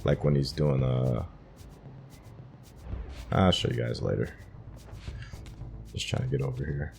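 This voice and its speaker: Very deep-voiced man musing over a game. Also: fairly even intonation, measured pace, gravelly, over music. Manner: thinks aloud, musing to himself. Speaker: gaming host narrating a playthrough. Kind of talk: casual gameplay commentary.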